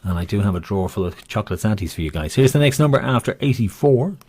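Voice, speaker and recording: Husky-voiced man calling bingo. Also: fairly low pitch, expressive, fast, dark tone, dry recording. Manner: jokey, chatty, rambling. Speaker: bingo caller and host. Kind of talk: bingo calling with rhyming nicknames, casual banter.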